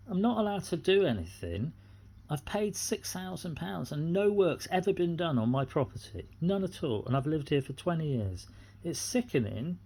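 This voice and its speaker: Aggrieved British speaker with a mellow voice. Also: mid-range voice. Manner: aggrieved, repetitive, indignant. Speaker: tenant making a complaint. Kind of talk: unscripted personal grievance monologue.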